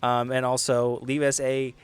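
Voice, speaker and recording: A man's voice: medium pitch, completely flat delivery, a little slow, smooth, dry recording. A man speaking casually as a podcast host, chatting to listeners and fellow players.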